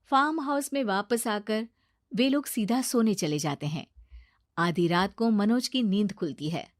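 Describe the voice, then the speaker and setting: Steady female story narrator. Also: medium pitch, unhurried, dry recording, studio quality.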